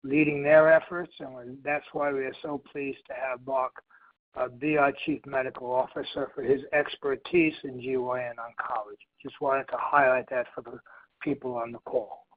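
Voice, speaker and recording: A man's voice: medium pitch, little pitch movement, moderate pace. A man speaking formally and emphatically as a company executive on an earnings call, over a muffled phone line. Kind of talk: scripted corporate presentation, then brief remarks.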